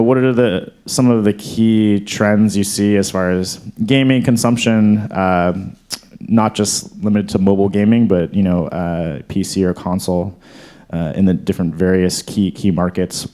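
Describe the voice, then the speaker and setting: A man moderating a conference panel, framing questions in a measured way with fillers. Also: deep voice, warm tone.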